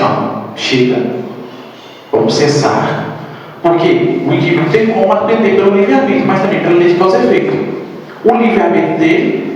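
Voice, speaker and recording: A man giving a public spiritual lecture at a spiritist center, animated, asking rhetorical questions and repeating key phrases. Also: high voice, slight background noise. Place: meeting hall of a spiritist center. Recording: echoey hall, voice from far off.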